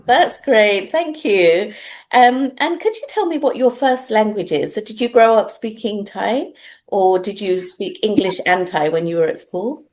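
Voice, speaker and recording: A woman hosting an interview as an English tutor, encouraging and asking simple, clear questions. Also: medium pitch, unhurried, darkish tone. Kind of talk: casual interview chat.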